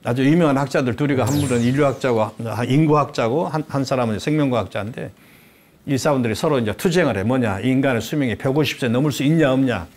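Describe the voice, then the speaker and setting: A man's voice: medium pitch, fast talker. An older man giving an explanatory talk-show lecture as a guest expert, posing rhetorical questions and answering them in an emphatic, teacherly way. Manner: lively, emphatic teacherly delivery.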